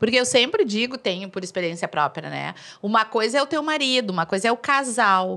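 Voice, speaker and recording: Speaking fairly quickly, a woman with a fairly high pitch has a bright, sharp tone marked by vocal fry. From Rio Grande do Sul, Brazil. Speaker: podcast host, journalist; podcast host. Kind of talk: casual podcast chat. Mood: cheerful, laughing at end. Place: studio. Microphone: studio mic.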